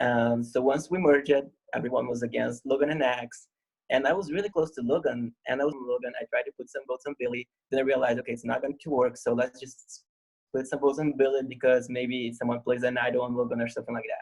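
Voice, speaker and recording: Talking at a very fast pace, a man with a non-native accent keeps his intonation fairly even. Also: medium pitch for a man. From non-English-speaking country. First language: not English. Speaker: online game finalist. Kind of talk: final speech to jury. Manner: casual, halting.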